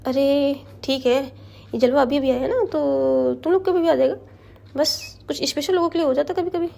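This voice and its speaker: A woman's voice: high-pitched, steady tone, normal speed, gravelly, dark tone. A woman voicing a brash young woman who uses street slang and stammers when cornered. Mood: cocky, teasing. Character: brash tapori-talking young woman, cocky.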